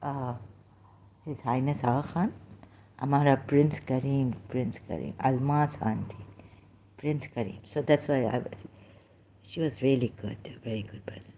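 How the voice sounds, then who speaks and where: A woman from Pakistan with a Pakistani accent, talking in a rambling, halting way with many fillers and restarts. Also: a bass voice, steady tone, warm tone, a little hiss or hum. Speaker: vlogger. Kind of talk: casual monologue, reading aloud at times.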